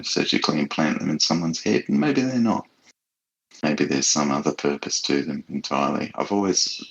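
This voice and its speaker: Very deep, gravelly man explaining thoughtfully. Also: a bit bright, poor audio. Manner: measured, halting, explanatory. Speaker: author being interviewed. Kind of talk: reflective interview conversation.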